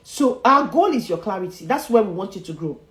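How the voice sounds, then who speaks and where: A woman's voice: medium pitch, animated, fairly quick, a bit bright. Emphatic woman coaching in a roomy echo. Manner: emphatic, repeats key phrases, chuckles often. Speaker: public speaking coach. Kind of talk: motivational livestream teaching.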